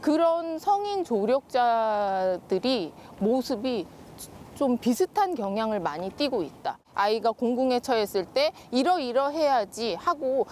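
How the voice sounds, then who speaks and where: A woman explaining things step by step on a panel show, with drawn-out pauses between phrases. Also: fairly high pitch, lively intonation, a little mellow, slight background noise. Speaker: guest expert on children's stories.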